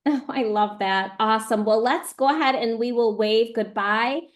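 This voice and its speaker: A woman's voice: a little high, measured pace. A woman hosting a live virtual author visit, chattily addressing schoolchildren and teachers. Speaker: host of an online book event.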